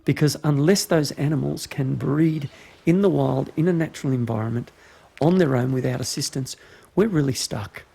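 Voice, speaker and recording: A man's voice: mid-range voice, normal speed, creaky, warm tone, husky. A man speaking earnestly and passionately as a conservation expert in a documentary interview.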